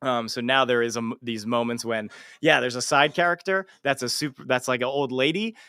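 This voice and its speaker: Man, show host, bright tone, close dry sound, casual and sweary interview talk. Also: mid-range voice, a little fast, clean tone, no room sound. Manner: informal, swears freely. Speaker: show host and amateur voice actor. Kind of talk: casual livestream interview chat.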